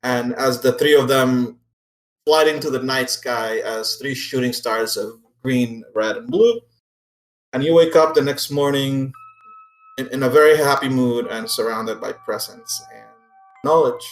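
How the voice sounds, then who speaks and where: A man's voice: mid-range voice, a little slow. Man running a tabletop game, roomy echo. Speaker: game master. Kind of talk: narrating a tabletop game, casual. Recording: roomy echo, faint music behind.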